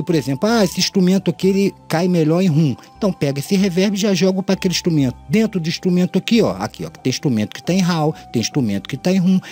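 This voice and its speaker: With a high, warm voice edged with breathiness, this middle-aged Brazilian host of an audio mixing tutorial channel teaches earnestly and informally. He speaks to listeners formally, keeps restating his points, and has a tongue-tied lisp that makes his s sounds slushy.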